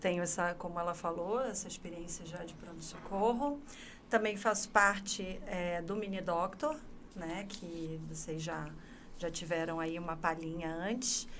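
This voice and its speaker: Audible room echo surrounds a woman speaking at a fairly slow pace in a Rio de Janeiro accent. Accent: Carioca. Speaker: orthopedic doctor. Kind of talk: interview.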